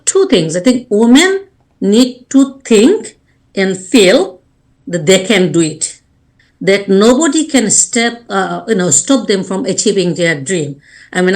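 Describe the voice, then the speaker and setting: A woman from Bangladesh, speaking earnestly as a life coach and guest on a radio interview. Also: mid-range voice. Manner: earnest, speaks in short restarting phrases.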